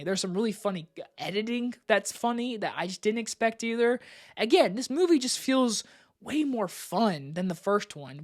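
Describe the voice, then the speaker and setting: A woman giving a casual movie review in a stuffy, congested voice from allergies, rambling and chatty. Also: mid-range voice. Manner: rambling and chatty, with many "like" fillers.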